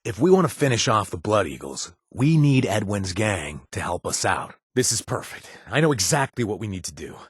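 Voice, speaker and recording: A wisecracking ex-gang ally. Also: male voice, fairly low pitch, big pitch swings, moderate pace, few pauses, husky, no room sound, studio quality. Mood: urgent. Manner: jokey, punning, chatty with fillers. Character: male ex-gang member ally, wisecracking, punny. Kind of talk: video game voice lines.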